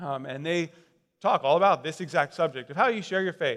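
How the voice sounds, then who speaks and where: A man with a Midwestern US accent, fairly high in pitch, at a fairly quick pace with ordinary pitch variation. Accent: US Midwest. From Indiana, US Midwest. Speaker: guest preacher. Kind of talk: sermon.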